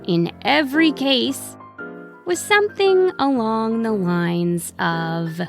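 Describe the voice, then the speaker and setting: A woman narrating a scripted children's story in an expressive, deliberate way. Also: on the high side, gravelly, faint music behind.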